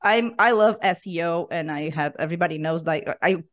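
A woman's voice: on the low side, a little fast. A woman hosting a casual podcast, chatty and laughing often as she introduces her guests. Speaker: podcast host.

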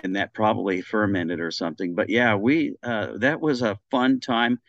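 A man's voice: lowish voice, normal speed, a bit bright, no echo, dull audio. A man, an actor being interviewed, joking along in a goofy, rambling way. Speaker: actor, podcast guest.

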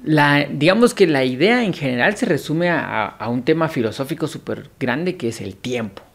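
A man, musing philosophically in a relaxed podcast chat. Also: a little high, moderate pace. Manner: musing, philosophical, slips into acted quotes. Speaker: podcast co-host. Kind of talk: casual reflective chat.

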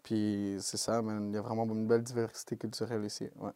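A young man speaks with a Québécois French accent, easygoing and unhurried, sprinkling English slang through his answers. His voice is mellow and warm. The recording is close and dry. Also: fairly low pitch, level tone, clean tone, dry recording. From Quebec, Canada. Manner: laid-back, peppered with English slang like "yo" and "bro". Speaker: rapper, interview guest. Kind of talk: casual interview talk.

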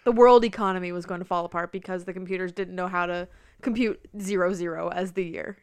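A woman's voice: fairly low pitch, fairly even intonation, fast, clean tone, no echo. A woman in her twenties co-hosting a podcast, chatting casually with a sarcastic, teasing edge. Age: 20s. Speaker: podcast co-host. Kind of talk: casual chat.

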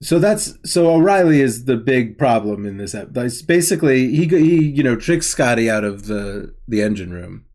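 A man's voice: medium pitch, animated, moderate pace, few pauses, a little mellow. A man co-hosting a casual podcast, recapping a TV episode with wry, laughing asides. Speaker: podcast co-host.

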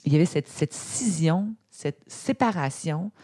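A woman from Quebec with a Québécois accent, a guest telling her experiences in a conversational interview, animated and quoting others as she goes. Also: low-pitched, measured pace. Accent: Québécois French. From Quebec, Canada. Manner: animated storytelling with imitated quotes.

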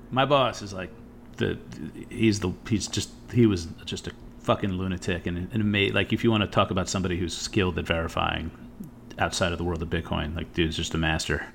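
Male podcast co-host, lowish voice, loose storytelling, peppered with "right?" and "you know". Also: vocal fry, a bit bright, slight background noise. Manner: rambling storyteller, swears, frequent "right?" asides. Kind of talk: casual podcast chat.

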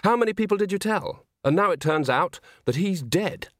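A man's voice: high voice, lively intonation, normal speed, fairly bright tone, no echo, clean studio sound, pitched above the performer's own voice. A man reading a storybook, voicing a guarded, sneering male undercover policeman in a cool, challenging manner. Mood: suspicious.

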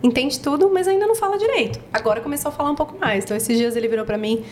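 A Brazilian woman chatting as a podcast guest, telling stories in a lively way and acting out what people said. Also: high voice, very fast, a little hiss or hum. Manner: animated storyteller, acts out quotes. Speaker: podcast guest, project founder. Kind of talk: casual podcast chat.

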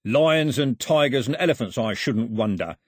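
A man acts out a cunning storybook villain. He is a husky, sneering bully with sarcastic, colloquial talk and a very lively swing in pitch. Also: normal speed, no room sound, clean studio sound. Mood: mockingly cheerful. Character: menacing, sneering male criminal, cunning and mocking.

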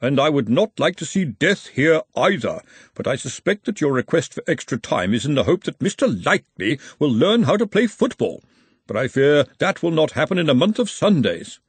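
A man's voice: on the high side, sing-song, moderate pace, breathy edge, no room sound, pitched above the performer's own voice, full character voice. A man voicing a stern, exasperated referee in an audiobook, speaking formally and pompously. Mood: imperious.

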